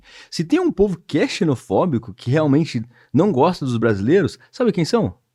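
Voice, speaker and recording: The speaker talks at a moderate pace with very wide pitch swings. Vocal fry runs through the voice. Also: man, fairly high pitch for a man. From southern Brazil, Curitiba. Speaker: entrepreneur, barber. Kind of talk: casual interview chat.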